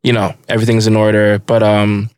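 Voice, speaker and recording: A man's voice: fairly low pitch, brisk, clear, resonant tone, no echo, studio quality. A man from Ghana, a guest on a podcast, talking casually and loosely, with lots of fillers like "like" and "you know". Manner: relaxed, rambling, many fillers like "like" and "you know". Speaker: podcast guest, fashion brand founder. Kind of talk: casual interview chat.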